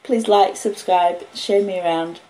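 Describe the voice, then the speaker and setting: A little slow and mellow, her lowish voice steady, an Australian woman performs an expressive reading of a classic novel for a stream, chatting informally along the way. The sound is roomy with distinct hiss or noise behind it.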